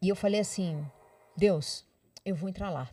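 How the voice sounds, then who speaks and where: At a moderate pace, a woman speaks with a dark, mellow tone that is somewhat breathy. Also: very clean recording, silent background. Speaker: motivational speaker. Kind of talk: interview. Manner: animated.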